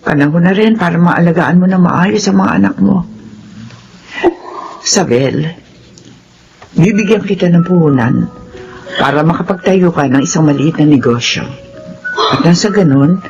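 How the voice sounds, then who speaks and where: An actress playing a wealthy mother who speaks calmly and thanks her family's maid in a TV drama. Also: fairly low pitch, gravelly, muffled recording. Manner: calm, measured speech. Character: wealthy employer mother, humble and grateful. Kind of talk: TV drama acting.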